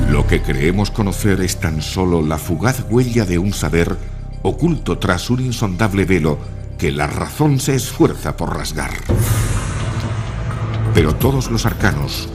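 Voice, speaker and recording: A man narrating a scripted mystery-show introduction in a solemn, portentous manner. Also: sits low.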